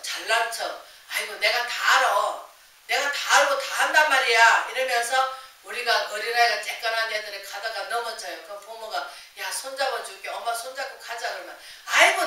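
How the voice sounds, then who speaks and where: A woman's voice: a little high, sharp tone. A woman pastor preaching a sermon in a chatty style, asking rhetorical questions and acting out quoted voices. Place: church sanctuary. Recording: echoey church hall, voice from far off.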